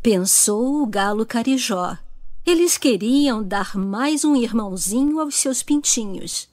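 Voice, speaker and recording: A woman's voice: a little high, expressive, slow, darkish tone, no echo, studio quality. A woman with a Brazilian accent narrating a storybook for children.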